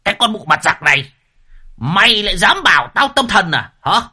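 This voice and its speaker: Brief: shrill raving old man, swings wildly up and down, husky. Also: big pitch swings, normal speed, bright, forceful tone, full character voice. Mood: raging. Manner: screaming insults, shrill ranting. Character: raving possessed old man, violent, shouting.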